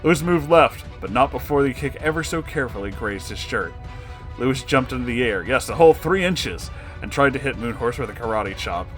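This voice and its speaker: A man reads a comic story aloud as its narrator, with music playing behind him. His voice is mid-pitched, and his delivery is dramatic with an amused edge. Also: lively intonation, a little fast, a bit bright. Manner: amused, breaking into laughing asides.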